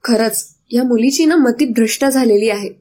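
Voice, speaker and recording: A woman voicing a middle-aged male village father who grumbles and then calms his family. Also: on the high side, normal speed, close to an everyday voice. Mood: grave.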